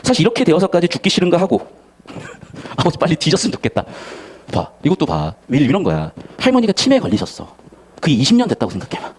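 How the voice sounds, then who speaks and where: A man's voice: a little high, wildly swooping pitch, fast talker, a little mellow, slightly rough. A man teaching a literature lesson to students, talking bluntly in slang and acting out the characters' lines. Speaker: Korean language and literature tutor. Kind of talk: lively lecture to students.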